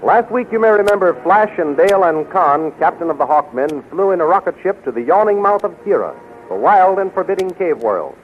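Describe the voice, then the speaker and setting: A man's voice: sits high, lively intonation, fairly quick, soft background music. A man announcing and narrating a 1930s radio adventure serial in a dramatic, declamatory scripted style. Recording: scratchy, tinny 1930s radio recording.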